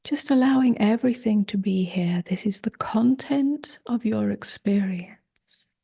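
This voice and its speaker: A woman leading a guided meditation, speaking softly in short phrases with long pauses, gentle and often close to a whisper. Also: mid-range voice. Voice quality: soft, breathy, husky, often near a whisper. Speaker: meditation teacher.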